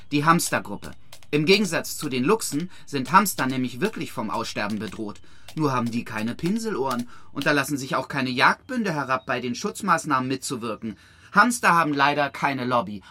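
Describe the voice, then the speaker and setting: An actor playing an aggrieved, opinionated environmental activist in a German audio drama, with a sarcastic manner. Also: male voice, mid-range voice, animated, normal speed, pushed and bright. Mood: sardonic. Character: sardonic, aggrieved male environmental activist, bitter hamster champion.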